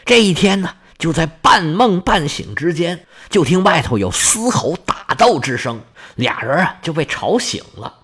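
A man's voice: fairly high pitch, very animated, normal speed, a bit bright, husky. A man telling an ancient myth in a traditional oral storytelling style, colloquial and dramatic.

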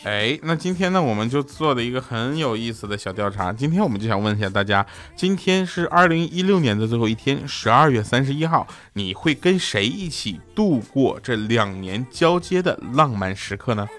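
A man hosting a comedy show, delivering jokes and short anecdotes in a playful, quick style with pauses before punchlines. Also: medium pitch, animated, a bit bright. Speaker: radio comedy host. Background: background music.

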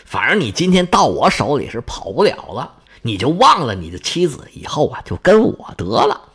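A man's voice: on the high side, huge pitch swings, normal speed, a bit bright, slightly rough, full character voice. A male storyteller voicing a haughty, scheming goddess of dawn who coaxes and then mocks. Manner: coaxing, then cold and mocking.

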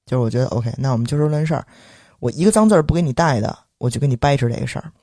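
Young man with a Beijing accent, podcast storyteller, rapid-fire, high-ish voice, dry close sound, indignant and animated. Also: no room sound. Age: young adult. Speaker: podcast co-host. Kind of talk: storytelling casual chat.

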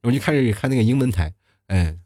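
A male talk show host reads listener messages and riffs on them. His pitch swings up and down as he talks, with a chatty, fast delivery, frequent tag questions and little chuckles. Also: expressive, dark tone, breathy edge, dry recording, clean studio sound.

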